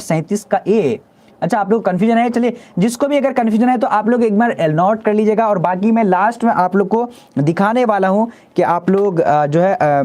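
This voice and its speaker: Brisk high-voiced male teacher. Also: a little mellow. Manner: brisk quiz-style questioning, repeats each answer. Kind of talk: live online exam-prep class.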